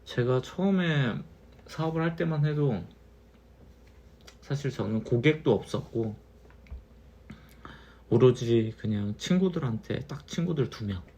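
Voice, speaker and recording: A man in his thirties, a little tipsy from wine, musing slowly in a casual monologue and repeating his phrases. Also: mid-range voice, expressive, mellow. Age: 30s. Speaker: channel host.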